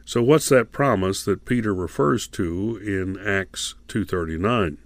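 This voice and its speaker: A man with a fairly low voice hosts a Christian radio devotional from a studio. He speaks deliberately, as both announcer and Bible teacher, going back over details for his listeners. The sound is dry and close, with very little room in it. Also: no echo.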